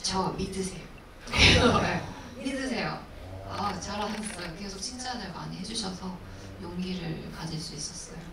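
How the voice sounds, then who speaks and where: A woman answering questions on stage at a film screening Q&A, speaking thoughtfully with pauses and fillers. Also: on the low side. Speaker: actress at a film Q&A. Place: cinema hall with audience. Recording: echoey cinema hall from far off, noisy.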